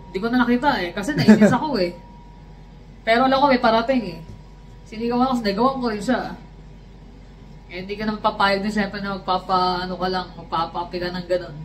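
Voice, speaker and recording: Filipina vlogger, casual storytelling, animated, faint background ambience. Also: female voice, medium pitch, fast talker, pauses often, a little hiss or hum, poor audio. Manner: animated storytelling, switching into English quotes. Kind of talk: casual chat.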